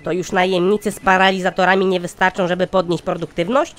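A man's voice: sits high, little pitch movement, quick pace, fairly bright tone, a little hiss or hum. A man voicing a pompous, sardonic company chairman in a satirical cartoon, speaking formally. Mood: concerned, sardonic. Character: pompous, exasperated male company chairman, scheming boss.

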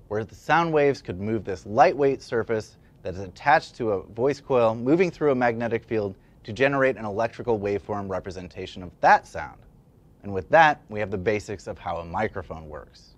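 Animated man presenting a lesson. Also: mid-range voice. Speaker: educational presenter and instructor. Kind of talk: scripted explainer lesson. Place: indoor studio at a demonstration table. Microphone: lapel mic.

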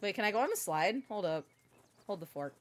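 A woman's voice: medium pitch, expressive, brisk, a little hiss or hum. A young adult woman, a voice actor, giving casual, sarcastic gameplay commentary, swearing freely and putting on mock accents.

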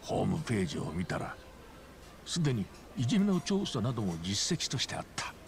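A man's voice: fairly low pitch, big pitch swings, vocal fry, slight background noise. An actor playing a very old, courteous and grave school chairman in a video game drama, speaking formally and with measure. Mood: earnest, formal. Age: older. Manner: formal, polite, measured old man's delivery. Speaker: school board chairman, client. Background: background music.

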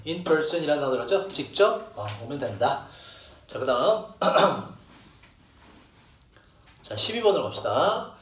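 A man's voice: on the high side, sing-song, takes it slowly, long pauses, fairly bright tone. Korean male teacher, echoey and distant. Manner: explains English phrases in Korean and repeats key words. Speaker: English teacher. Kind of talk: exam listening lesson. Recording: echoey room, distant mic, faint hiss.

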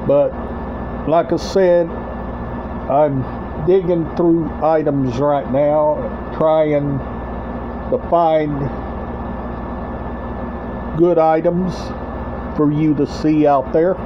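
This collection channel host, a middle-aged man, rambles through a casual show-and-tell vlog from a small indoor room at home. His voice is on the high side with fairly even intonation, and his speech comes in halting, short fragments with repetition. It's recorded with dull, webcam-like lo-fi sound and evident background noise.

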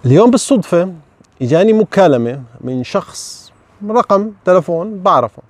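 Animated man with a Levantine accent. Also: high voice, fairly quick, dry recording. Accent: Levantine Arabic. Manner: animated, gesturing with his hands while he talks. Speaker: vlogger. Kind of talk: casual talk to camera. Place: backyard garden outdoors.

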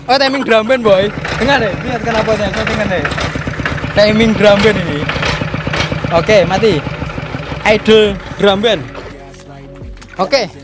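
An excited man talks casually in slangy with a tinge, as if hyping up his viewers, outdoors in a rice field. Music plays clearly behind him. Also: high voice, measured pace, pauses often. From Indonesia. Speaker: vlogger. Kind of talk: casual vlog commentary. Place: outdoors in a rice field beside a running tractor.

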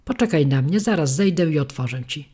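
A woman voicing a calm, phlegmatic male snail who speaks slowly and never hurries, in a storybook reading. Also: low voice, husky. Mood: placid. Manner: slow, unhurried, unbothered.

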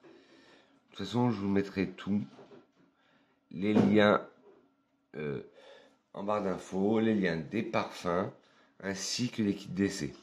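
Slow, low-voiced French man reviewing perfume. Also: slight background noise. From France. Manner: unhurried, hesitant, thinking aloud with many pauses. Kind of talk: casual product review vlog.

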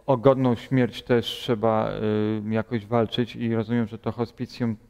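A man's voice: on the low side, flat delivery, a little slow, gravelly, a little mellow, clean tone, big-room sound. A man hosting a studio interview, asking probing questions with hesitations. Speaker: host. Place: bright TV studio, seated in armchair.

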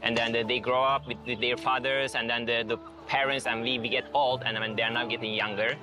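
A man's voice: mid-range voice, flat delivery, fairly quick, over music. A man in his forties with a Turkish accent, casually explaining things in an interview. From Turkey. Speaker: restaurant owner interviewed for documentary.

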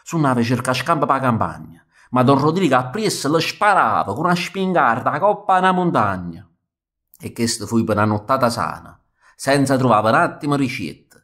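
A man with a Neapolitan accent reciting comic dialect verse in a rhythmic, expressive, theatrical way. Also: mid-range voice, fairly quick. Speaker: actor reading verse.

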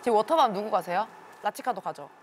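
A woman's voice: mid-range voice, lively intonation, quick pace. A woman chatting and bantering casually in a group. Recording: very noisy studio with clicks.

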